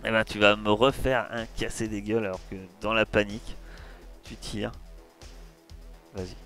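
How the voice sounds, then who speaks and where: Male game master, deliberate low voice, unhurried scene-painting narration over faint music. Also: little pitch movement, fairly bright tone. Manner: slow, searching, descriptive scene-setting. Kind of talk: narrating a tabletop horror game.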